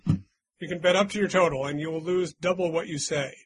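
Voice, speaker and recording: A slightly higher, husky male voice runs a trivia game for friends. He reads clues aloud and teases the contestants in a loose, chatty way. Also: steady tone, fairly quick, rough recording. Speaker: quiz host. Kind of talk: casual game-show chat with friends.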